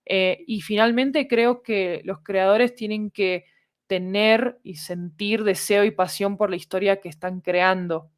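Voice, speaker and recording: A woman's voice: mid-range voice, steady tone, a little slow, no echo, studio quality. A woman, speaking as an interview guest and explaining ideas articulately, point by point. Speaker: interview guest, audio fiction creator.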